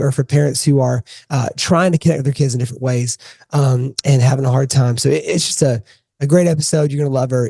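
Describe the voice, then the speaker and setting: A man's voice: on the high side, creaky, mellow, no room sound, studio quality. A man hosting a podcast with a slightly sick voice, chatty and joking with many fillers. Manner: chatty, with frequent fillers and jokes. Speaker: podcast host. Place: podcast studio in Memphis.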